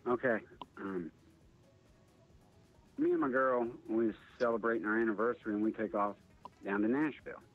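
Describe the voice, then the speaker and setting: A man's voice: lowish voice, steady tone, normal speed, long pauses, faint music behind. A man from the United States, an interview guest giving a casual, hesitant personal account over a phone-like connection. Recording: thin phone-line sound.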